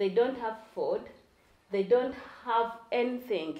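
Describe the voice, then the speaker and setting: A woman with a Ugandan accent at a fairly slow pace, ordinary pitch variation and audible room echo. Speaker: politician and women's rights activist. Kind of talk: panel discussion. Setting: stage with audience. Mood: earnest, concerned. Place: meeting room.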